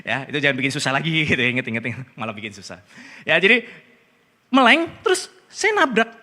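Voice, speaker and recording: Middle-aged guy preaching, pitch jumps all over, joking and chatty. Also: fast. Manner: chatty, animated, laughs at own story, slangy. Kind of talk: casual sermon with storytelling. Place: church.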